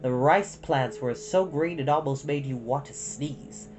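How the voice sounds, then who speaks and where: A woman reading a children's storybook aloud in an expressive narrating style. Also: sits low, measured pace, soft background music. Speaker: storytime reader.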